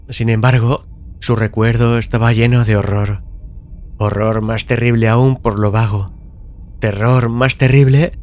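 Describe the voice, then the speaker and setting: A man reads a gothic horror audiobook in a solemn, dramatic manner, phrasing deliberately with pauses. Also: fairly low pitch, a little mellow, a little hiss or hum. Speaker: audiobook narrator. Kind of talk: dramatic scripted narration of a gothic horror tale. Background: music.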